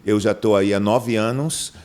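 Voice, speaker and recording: A man's voice: lowish voice, measured pace. A middle-aged man from Manaus, Brazil, a pastor in a podcast interview who tells stories and acts out the dialogue. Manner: animated storyteller, acts out dialogue in a raised voice.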